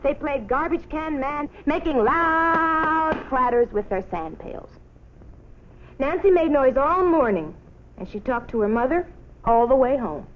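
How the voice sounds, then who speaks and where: A woman reading a children's story as an expressive scripted narration. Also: sits high, a little slow. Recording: muffled noisy old film soundtrack.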